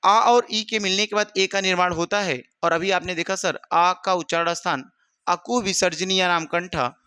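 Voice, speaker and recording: A male teacher leads an exam-prep grammar lesson with a high, bright voice. He fires questions at his students, answers them himself and keeps calling them "my brother." The sound is close and dry. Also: steady tone, normal speed, clear, resonant tone, no room sound.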